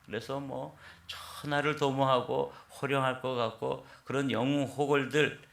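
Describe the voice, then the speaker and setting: A man's voice: medium pitch, gravelly, fairly bright tone. A man in his sixties, a pastor, preaching an early-morning sermon in a conversational storytelling way, recorded in an echoey church. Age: 60s. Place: church sanctuary.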